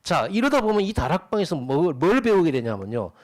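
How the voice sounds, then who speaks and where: Speaking a little high and a little fast, this middle-aged pastor preaches in a lively, chatty manner. He keeps throwing rhetorical questions out to his congregation.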